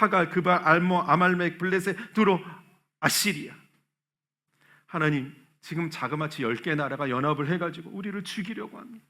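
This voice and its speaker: A man pastor preaching a Sunday sermon in a church, swinging between hushed and loud, impassioned delivery. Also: a little high. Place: church sanctuary.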